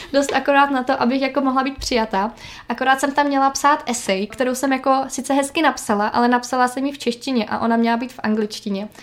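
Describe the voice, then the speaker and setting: A woman talks at a very fast pace in a high pitch with fairly even intonation. Noticeable background noise runs under her voice. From Czech Republic, South Bohemia. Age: 20s. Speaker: university student and intern. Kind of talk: radio interview. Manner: hesitant, many fillers.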